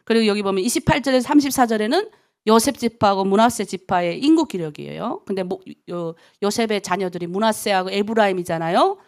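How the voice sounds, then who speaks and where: A woman's voice: mid-range voice, animated, a little fast, darkish tone. A middle-aged woman pastor preaching at a dawn prayer service, acting out her own prayers and her husband's words as she goes.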